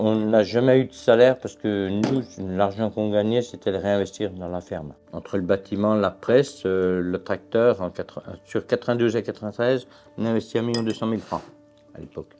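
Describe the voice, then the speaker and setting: Pitched fairly low, a man speaks with fairly even intonation. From France, Jura. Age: 60s. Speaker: dairy farmer. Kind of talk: interview testimony. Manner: halting, many hesitations.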